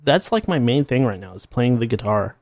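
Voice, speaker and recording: A man's voice: mid-range voice, sing-song, brisk, a little mellow, no echo. A man in his thirties hosting his own podcast, rambling casually and laughing at himself. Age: 30s. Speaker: podcast host. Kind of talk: casual solo monologue.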